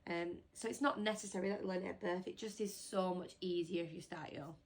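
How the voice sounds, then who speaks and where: Answering viewer questions in a casual chat, this parent vlogger teases and laughs easily. She's a woman whose first language is English, and her lowish voice stays steady while moving a little fast.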